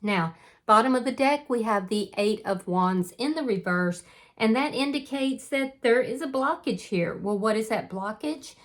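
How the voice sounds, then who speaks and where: A woman's voice: a little high, animated, normal speed. A woman giving a casual spoken tarot reading, talking straight to the viewer in an earnest, reassuring way, with frequent fillers and restarts. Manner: speaks directly to the viewer. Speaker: tarot reader.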